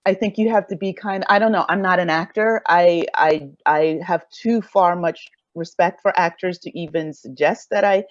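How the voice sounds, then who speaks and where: A fairly low-voiced woman, an audio drama creator, speaks on an unscripted panel, reflective and halting, often rephrasing while she hunts for the right words. The recording is very dry with no echo and a slightly dull tone.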